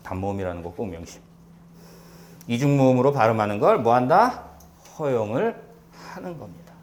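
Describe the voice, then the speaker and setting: A man's voice: mid-range voice, big pitch swings, moderate pace, a little hiss or hum. A male lecturer teaching exam prep, firing rhetorical questions and answering them himself, repeating key points for emphasis. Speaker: civil service exam Korean lecturer.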